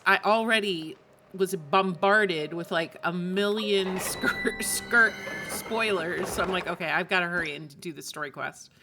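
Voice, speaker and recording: A woman's voice: lowish voice, pushed and bright. A woman livestreamer chatting casually with her viewers while she plays a game.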